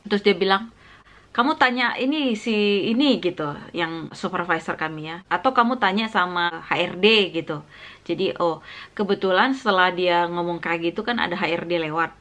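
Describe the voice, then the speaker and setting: Her voice sits fairly low, with a fairly bright tone and moderate pace, as this Indonesian woman vlogs casually about a job. She voices the dialogue herself, slips into English now and then, and leans on fillers.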